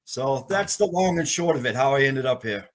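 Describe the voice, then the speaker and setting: A man's voice: medium pitch, expressive, moderate pace. A man in his fifties from Massachusetts, a sales professor telling stories cheerfully as an interview guest. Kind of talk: interview storytelling.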